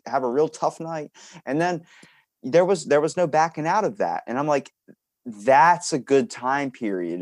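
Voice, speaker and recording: A man's voice: fairly high pitch, no echo. Blunt, profane man in casual podcast chat. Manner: profane, blunt, animated storytelling with acted-out quotes.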